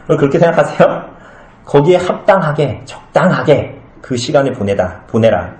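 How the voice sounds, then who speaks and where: Male pastor, conversational sermon, animated delivery with acted-out asides, roomy church sound. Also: fairly high pitch, moderate pace. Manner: conversational, asks the congregation many questions; acts out short comic scenes with changed voices. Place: small church hall. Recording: echoey room.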